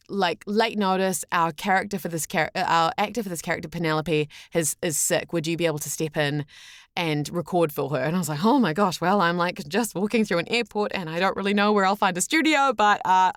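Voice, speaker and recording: A woman with a New Zealand accent chatting as an interview guest, telling anecdotes in a halting, chatty way full of "like". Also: fairly low pitch, no room sound, studio quality. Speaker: podcast guest, voice actor.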